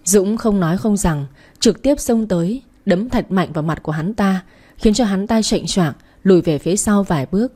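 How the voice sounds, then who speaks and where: Mellow-voiced woman narrating a story. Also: medium pitch, normal speed. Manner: dramatic reading that voices every character. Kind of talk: first-person audio story narration.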